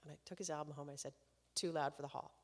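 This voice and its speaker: A woman's voice: deep voice, steady tone, rapid-fire. Chatty woman hosting in a reverberant hall. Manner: chatty and warm-hearted, laughing between remarks. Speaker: concert series host. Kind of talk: live stage introduction to an audience. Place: concert hall, live event.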